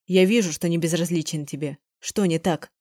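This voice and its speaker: A woman reading the lines of a young man, an insistent and passionate suitor who pleads and shouts. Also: fairly high pitch, fairly even intonation, normal speed, no room sound, clean studio sound, close to an everyday voice. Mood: tender.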